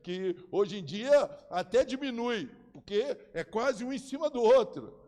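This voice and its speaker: A Brazilian man in his fifties with a Brazilian Portuguese accent, preaching with humor and playfully acting out other voices. His voice is high and swings widely in pitch. It rings with long reverb, as in a large church hall. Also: unhurried. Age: 50s. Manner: animated storytelling, joking, acting out voices. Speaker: pastor. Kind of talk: sermon.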